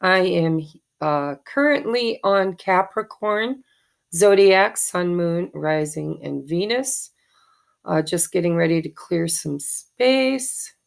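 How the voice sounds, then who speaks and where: A woman, hoarse from allergies, chatting in a rambling, thankful way as host of a tarot channel, with many ums. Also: lowish voice, animated, slow. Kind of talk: casual chat to viewers.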